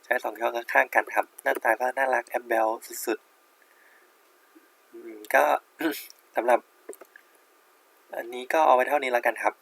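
A young man giving casual commentary on his gameplay, relaxed and thinking aloud with many fillers. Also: medium pitch, normal speed, vocal fry, long pauses, low-quality recording. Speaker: gaming YouTuber. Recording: game music playing behind.

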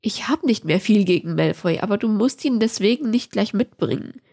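A woman's voice: medium pitch, animated, normal speed, darkish tone. A woman voicing Hermine, a friendly but firm young woman in a read-aloud story, who questions pointedly.

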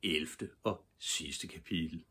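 An older man reading a children's storybook at bedtime. His voice is deep and husky. He narrates calmly and gently. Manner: calm, gentle.

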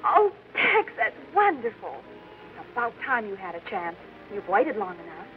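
An actress playing a poised young studio receptionist, kind but tart, with an American accent in 1940s Hollywood film style. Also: female voice, medium pitch, very animated, normal speed, natural voice. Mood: warm. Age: young adult. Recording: dull old film soundtrack, faint music.

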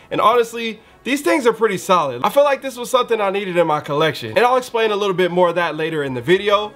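A man's voice: sits high, a bit bright. A young man with a stuffy, nasal voice from a cold, hosting a laid-back, slangy sneaker review. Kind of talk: casual product review. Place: indoor studio with shoe shelves.

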